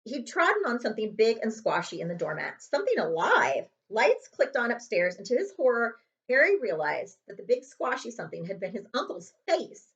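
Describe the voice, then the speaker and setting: Expressive woman reading a children's book aloud. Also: fairly high pitch, fairly quick, highs cut off. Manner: expressive, dramatic emphasis. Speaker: librarian reading aloud to students.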